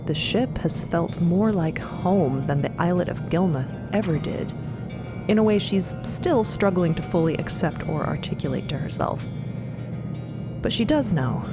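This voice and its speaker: A woman serves as narrator of an audio story. Her voice sits fairly low, delivering present-tense narration over clear background music. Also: lively intonation, unhurried.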